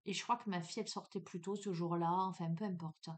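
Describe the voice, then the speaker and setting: Speaking straight to her audience, the middle-aged host of a spiritual guidance channel recounts a personal story in an animated, chatty manner packed with fillers. She talks fast in a lowish voice.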